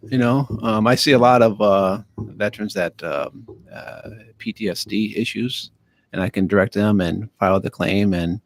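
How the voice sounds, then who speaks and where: A man answering questions on a radio show as a guest, speaking haltingly with many fillers and restarts. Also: lowish voice, dry recording. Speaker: county veterans affairs officer, studio guest. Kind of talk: casual radio interview. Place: radio studio. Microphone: studio microphone.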